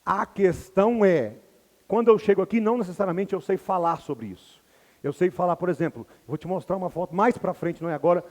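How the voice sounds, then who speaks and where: A man's voice: high-pitched, brisk, big-room sound. A man from Brazil teaching English to a live audience, telling stories animatedly and acting out the people in them. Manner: animated storytelling, acts out characters. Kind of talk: lively lecture with acted anecdotes.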